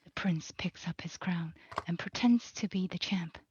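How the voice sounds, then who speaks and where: A woman with a breathy, whispery voice reading scripted stage directions as narrator, on dull lo-fi audio. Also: fairly low pitch, measured pace, dry recording.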